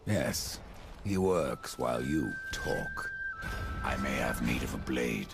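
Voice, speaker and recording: A man's voice: huge pitch swings, slow pace, loud music behind the voice, full character voice. An actor playing a grim, curt horseman of death in a video game cutscene, with a terse, sardonic delivery. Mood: cold, sardonic. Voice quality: very deep gravelly voice.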